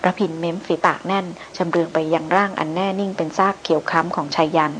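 A woman narrating an adventure novel in a steady, even reading voice. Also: lowish voice, fast, slight background noise, rough recording. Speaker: audiobook narrator.

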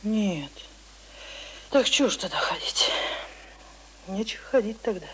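A woman's voice: medium pitch, animated, unhurried, close to an everyday voice. A woman playing a plain-spoken village mother in a radio play, wry and scolding in a colloquial way. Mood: questioning. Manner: colloquial, questioning, blunt. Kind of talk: Russian radio play acting. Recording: echoey, distant, noisy radio recording.

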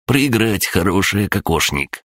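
A pompous little crab-gnome spirit barks short broken orders in a raised voice, as a deep-voiced narrator puts him on. The storybook recording is dry and close. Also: male voice, big pitch swings, unhurried, a bit bright, no echo, heavily acted. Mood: unruffled. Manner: broken grammar, clipped commands.

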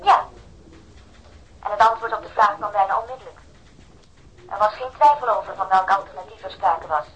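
A woman's voice: mid-range voice, brisk, pauses often, natural voice, rough recording. Actress as a precise, formal woman doctor. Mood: composed, assured. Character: precise, cooperative female doctor who performed an autopsy. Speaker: pathologist. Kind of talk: radio drama dialogue.

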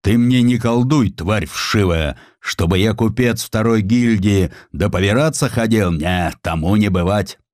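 A man voicing a ferocious, miserly provincial merchant with gruff, scolding, rustic speech in an audiobook story. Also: on the low side, measured pace, few pauses, a little mellow, no echo, clean studio sound, close to an everyday voice. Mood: threatening.

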